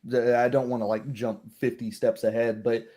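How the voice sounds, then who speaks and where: A man's voice: medium pitch, little pitch movement, normal speed, warm tone. Man explaining tabletop game rules casually. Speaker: game master.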